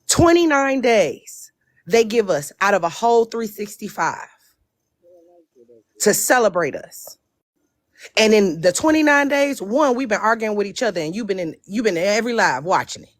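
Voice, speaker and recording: A woman's voice: mid-range voice, lively intonation, moderate pace, dry recording. A woman with an African American English accent speaking bluntly and emphatically in an impassioned, casual live discussion, repeating phrases for stress. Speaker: panel speaker.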